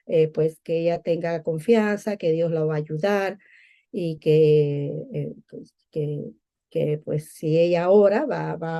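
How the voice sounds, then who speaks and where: A middle-aged woman from Peru shares her personal faith testimony. Her voice is fairly low and soft-edged, very mellow. She talks conversationally and haltingly, circling back over words as she looks for the next one. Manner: halting, searching for words with repeats. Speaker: guest giving testimony.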